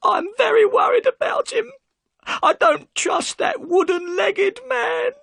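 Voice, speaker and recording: A man voicing an upset middle-aged boatman's wife in a high, shaky, pleading voice while reading a storybook aloud. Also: lively intonation, slow pace, gravelly, a bit bright, no room sound, full character voice. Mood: sobbing.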